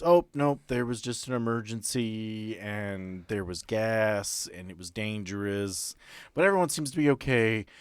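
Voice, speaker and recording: A man acting as game master on a podcast, explaining and narrating off the cuff with halting sentences. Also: mid-range voice, clear, resonant tone, dry recording, studio quality. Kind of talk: improvised narration and table chat for a tabletop game podcast.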